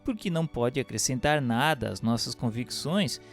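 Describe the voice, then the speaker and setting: A man giving a measured, solemn scripted reading of a religious book as narrator. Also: mid-range voice, animated, soft background music.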